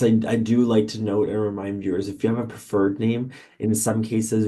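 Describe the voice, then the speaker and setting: Man guiding a webinar walkthrough. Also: lowish voice. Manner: relaxed, explanatory, with frequent ums. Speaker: university admissions presenter. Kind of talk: screen-share webinar walkthrough. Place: university office in Canada.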